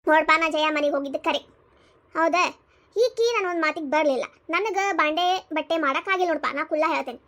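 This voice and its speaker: A woman voicing a sharp-tongued older village mother-in-law in a cartoon comedy, shrill and sarcastic, with a North Karnataka Kannada accent. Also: fast. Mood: defiant. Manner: shrill, sarcastic, defiant scolding.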